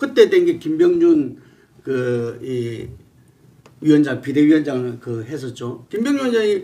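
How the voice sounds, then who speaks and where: This man talks at a fairly slow pace. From South Korea. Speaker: political news outlet head and talk show host; panel host or commentator. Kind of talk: political panel discussion. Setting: studio, live YouTube stream. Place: studio. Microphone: studio mic.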